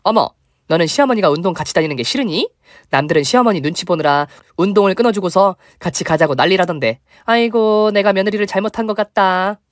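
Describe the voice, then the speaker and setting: A voice actor playing a vain, stingy woman in her late forties who is shrill and indignant, in a storytelling video. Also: fast talker, no room sound, clean studio sound, lightly acted. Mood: wheedling.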